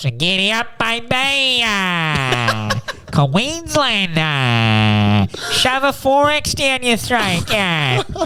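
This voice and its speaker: A man performs a put-on character voice, nasal and high-pitched, with very wide pitch swings and very even loudness. He talks at a very slow pace over light background noise. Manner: cheeky, swaggering.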